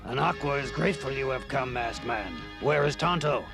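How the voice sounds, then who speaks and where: An actor in an animated series playing a solemn, dignified tribal chief with formal, stately phrasing. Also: male voice, medium pitch, normal speed, creaky, lightly acted. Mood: concerned. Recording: loud music behind the voice.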